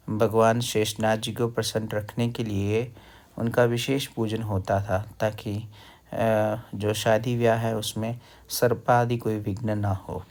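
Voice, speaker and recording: A man teaching wedding mantras, reciting slowly and breaking words into syllables for the listener to repeat. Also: on the low side, darkish tone. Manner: slow, careful recitation with syllable-by-syllable drilling. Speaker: Sanskrit teacher.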